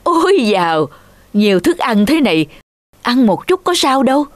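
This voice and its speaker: A woman's voice: a little high, big pitch swings, moderate pace, no echo. A woman voicing a kindly but stubborn female cook in a folktale cartoon, with a breezy, homely, insistent manner. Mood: dismissive.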